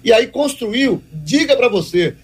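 A man's voice: very high voice, animated, measured pace, breathy edge. A man giving a devotional teaching talk as a preacher, speaking emphatically and repeating key phrases for weight.

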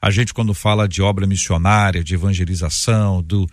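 A Brazilian man hosting a live religious debate programme, putting questions in a deliberate, phrase-by-phrase way. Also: low voice, steady tone, no echo, clean studio sound. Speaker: radio debate host.

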